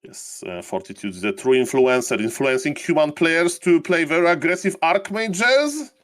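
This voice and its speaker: A man's voice: a little high, lively intonation, moderate pace, fairly bright tone. A man co-casting a live esports broadcast, with rambling, enthusiastic banter full of fillers. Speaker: esports co-caster.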